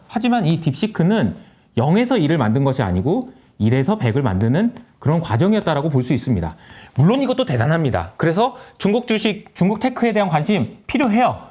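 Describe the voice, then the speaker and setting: Animated Korean man giving market commentary. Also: on the high side. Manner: lively, acts out dialogue between countries and companies. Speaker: investment lecturer. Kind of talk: solo investment commentary to camera.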